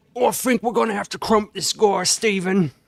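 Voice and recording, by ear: A gruff, put-on character voice at fairly high pitch rattles along at a fairly quick pace.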